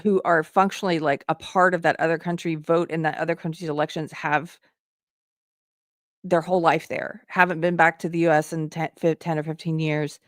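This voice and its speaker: A woman's voice: low voice, little pitch movement, brisk, dry recording, clean studio sound. A woman hosting a casual commentary show, thinking aloud with restarts and reading posts aloud as she comments on them. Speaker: host.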